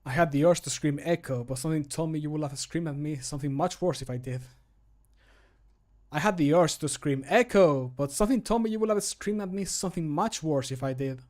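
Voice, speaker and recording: A man voicing an excitable male adventurer in video game lines, with an eager manner. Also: fairly high pitch, fairly quick, close to an everyday voice. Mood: dry, teasing. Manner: eager, gushing. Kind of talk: video game voice line acting.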